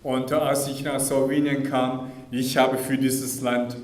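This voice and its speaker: A man interpreting a sermon live, measured and earnest, sometimes restarting a phrase. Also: mid-range voice, level tone, echoey room. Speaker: German interpreter. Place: school assembly hall.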